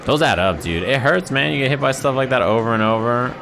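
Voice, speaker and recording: A man's voice: medium pitch, fast, creaky, a bit bright, slight background noise. A man giving casual, conversational fighting game commentary on a livestream, repeating phrases for emphasis and often checking in with "right?".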